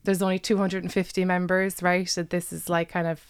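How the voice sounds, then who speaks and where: Irish woman, podcast host, casual chatty interviewer, smooth clear voice. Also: on the low side, level tone, a little fast. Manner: chatty, filler words, supportive murmurs.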